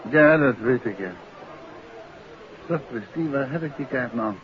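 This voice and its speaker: An actor playing a courteous, probing gentleman detective in a 1950s Dutch radio play, genial and a little hesitant. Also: medium pitch, measured pace, natural voice. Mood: flustered. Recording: muffled old radio recording, music behind.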